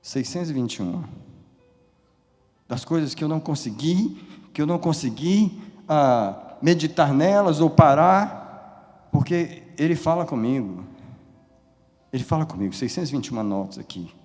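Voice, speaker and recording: Impassioned pastor in a reverberant hall. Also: male voice, fairly high pitch, lively intonation, normal speed, pauses often, faint music behind. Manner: impassioned, swings from loud urging to hushed confession. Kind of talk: sermon. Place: church hall.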